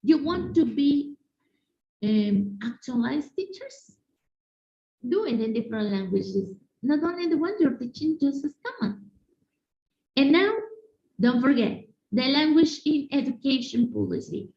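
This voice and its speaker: A woman teacher from Mexico with a Mexican Spanish accent, giving an animated online conference talk and speaking directly to her audience. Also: high voice, a little slow. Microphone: video call. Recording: echoey room, dull lo-fi sound.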